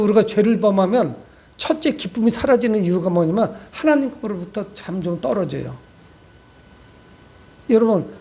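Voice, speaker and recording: Male pastor, notably high voice, exhortative sermon delivery with rhetorical questions to the congregation. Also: gravelly, mellow, husky. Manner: exhortative, addresses listeners often with rhetorical questions.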